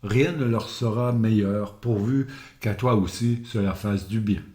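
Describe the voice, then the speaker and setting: A grave old hermit living alone in the woods, as a male reader takes on his part. He speaks slowly in a low, mellow voice, and the room gives it a roomy echo. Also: lightly acted. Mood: solemn.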